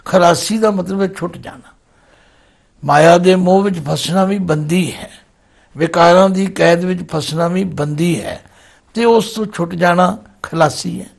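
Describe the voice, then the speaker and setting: A middle-aged man giving devotional scripture commentary, chanting verses slowly before explaining them. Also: high voice, vocal fry. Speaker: Sikh scripture expounder.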